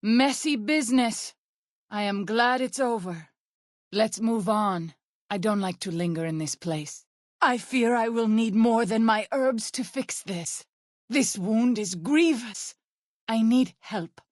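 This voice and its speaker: A woman voicing a gentle, earnest tribal healer in a video game, speaking in formal, measured phrases. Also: a little high, no room sound, studio quality. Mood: cautious, regretful. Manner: formal, measured, careful phrasing without slang. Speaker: video game companion character and ending narrator. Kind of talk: scripted video game voice acting. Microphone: close studio microphone, dry.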